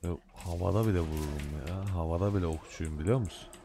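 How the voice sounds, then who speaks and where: A gaming video host, an adult with a day job, talks fast in a low, gravelly, dark-toned voice with slight background noise. He casually comments on his own let's-play, trading loose slangy banter and scolding the game in mock annoyance.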